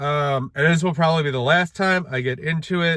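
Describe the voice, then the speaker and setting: Here is a man with a plain, everyday voice, pitched fairly high. He moves at a moderate pace with ordinary pitch variation. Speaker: online reseller. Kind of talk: casual vlog talk. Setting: filming on phone.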